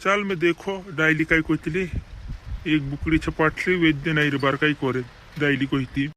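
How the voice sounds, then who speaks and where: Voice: mid-range voice, fairly even intonation, moderate pace, fairly bright tone, a little hiss or hum, natural voice, low-quality recording. An actor playing an older, neighbourly village man in a cartoon comedy, with a rural Madhya Pradesh tribal accent. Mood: neighbourly, grumbling.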